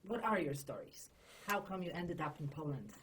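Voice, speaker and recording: A woman's voice: fairly low pitch, lively intonation, moderate pace, fairly bright tone, a little hiss or hum. A woman interviewing students with brief, prompting questions.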